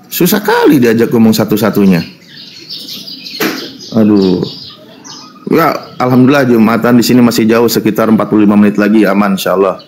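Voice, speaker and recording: A man's voice: on the low side, lively intonation, a little fast, long pauses, darkish tone, a little hiss or hum. A man who is a Muslim preacher in a heated online interfaith debate, teasing and mocking his opponents and repeating his taunts.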